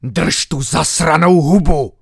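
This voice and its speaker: A man doing a gruff, cursing villain. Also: low-pitched, no room sound, studio quality, voice pushed down, natural voice. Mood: panicked shouting. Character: ruthless foul-mouthed male scientist on the run.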